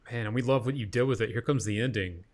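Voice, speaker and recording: A man's voice: medium pitch, moderate pace. A man hosting a casual interview, talking in an informal, effusive and slangy way. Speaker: interviewer, show host.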